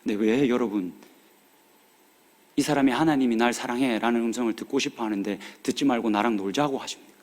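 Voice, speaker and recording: A man in his forties preaches a sermon in a church sanctuary, speaking in a regional dialect at a middle pitch. His delivery is earnest and pleading as he exhorts the congregation. His voice carries a long reverb from the large hall. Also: fast talker, darkish tone. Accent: Korean regional dialect. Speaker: pastor.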